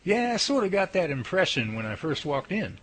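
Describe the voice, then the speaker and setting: A man's voice: on the high side, big pitch swings, moderate pace, a bit bright. A man playing an eager, easygoing team leader with a folksy way of talking, in an amateur radio drama.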